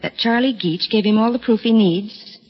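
An actress playing an earnest secretary and sidekick who stammers slightly, in 1940s radio drama style. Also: female voice, mid-range voice, normal speed, husky, lightly acted. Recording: dull lo-fi old radio recording.

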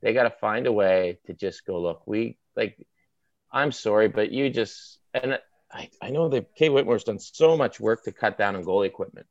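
A man's voice: on the low side, moderate pace, dry recording, highs cut off. A man with a Maritime Canadian accent chatting about sports as a guest, in an emphatic, colloquial, opinionated way with punchy short phrases. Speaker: author and podcast guest. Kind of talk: animated opinionated sports chat.

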